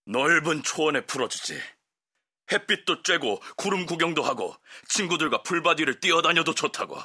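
A man's voice: fairly high pitch, very animated, moderate pace, bright, forceful tone, slightly rough, pitched above the performer's own voice, full character voice. A man voicing a gleeful, sadistic male lab director in an audiobook, with a mocking, condescending manner. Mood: gloating. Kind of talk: audiobook character voice.

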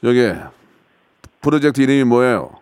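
A man's voice: medium pitch, moderate pace, a little mellow, clear, resonant tone, dry recording. A male radio host chatting casually and teasingly with callers. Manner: joking, rambling, teasing.

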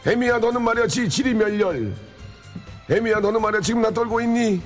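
A man voicing an old mother-in-law with a who scolds her daughter-in-law in a stuttering, drawn-out way, as a radio comedy bit. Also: high-pitched, soft background music, voice pushed up, close to an everyday voice. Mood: scolding.

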